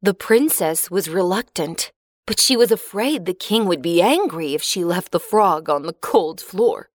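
A woman's voice: lowish voice, lively intonation, a little slow, dry recording, studio quality. Woman reading a children's fairy tale. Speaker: narrator. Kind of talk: storybook narration for children.

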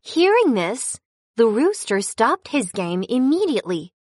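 Expressive woman narrating a kids' story. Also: on the high side, a little slow, no echo, studio quality.

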